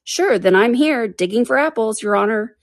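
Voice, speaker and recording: A humble storybook servant creature, acted by a woman, male and simple, with a raised pitch. He speaks in a rustic, stubbornly deferential way, recorded very dry. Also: lively intonation, normal speed, dry recording. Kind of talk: storybook character voice.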